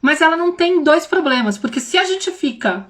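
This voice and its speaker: A young woman with a high, bright-toned voice gives a casual livestream talk as a parenting mentor. Her São slips in often, and she talks straight to her viewers with lively, animated delivery. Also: a little fast. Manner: animated, addresses viewers directly, acts out quoted voices.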